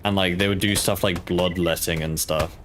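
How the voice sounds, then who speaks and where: A man's voice: low voice, fairly even intonation, moderate pace, a bit bright, faint music behind. A young man from Poland with a British accent, chatting casually and hesitantly while streaming a game, with lots of fillers. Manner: rambling, hesitant, filler-heavy. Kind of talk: casual gaming stream chat.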